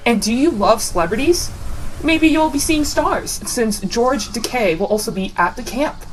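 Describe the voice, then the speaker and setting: A woman's voice: a little high, animated, moderate pace, a little hiss or hum, lightly acted, poor audio. A woman playing a breezy, sardonic game show host with showy announcer patter and mock sweetness in a satirical theater piece. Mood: mock cheerful. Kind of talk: satirical readers theater performance.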